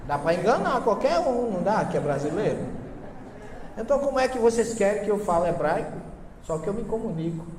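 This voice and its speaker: A man from Northeastern Brazil with a Northeastern accent, giving a lecture on Bible translations to a live audience, telling stories lively, acting out dialogue and questioning his listeners. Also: high voice, brisk. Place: large hall. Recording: echoey hall with long reverb, faint noise.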